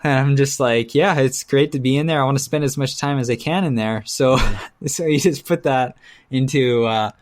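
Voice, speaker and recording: A man's voice: mid-range voice, moderate pace. Casual joking man, podcast banter. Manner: informal, loosely swearing, joking. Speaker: podcast co-host.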